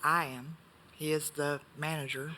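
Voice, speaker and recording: Woman shop owner, clipped defensive answers, bright voice, faint background noise. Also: sits low, little pitch movement, a little slow. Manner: curt, defensive short answers. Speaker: business owner at a hearing. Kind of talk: answering questions at a hearing. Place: county board meeting room.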